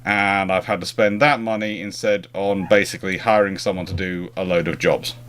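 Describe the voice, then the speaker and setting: A man's voice: sits low, fairly even intonation, moderate pace, fairly bright tone. A man hosting a live stream in a casual, chatty way, often rambling and breaking off mid-sentence. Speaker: livestream host answering naval history questions.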